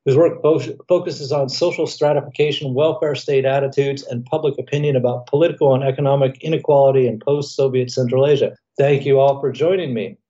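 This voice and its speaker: A man hosting a current affairs podcast, reading a formal, measured introduction of his guests. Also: medium pitch, steady tone, warm tone, dull audio. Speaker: podcast host. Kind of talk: scripted show introduction.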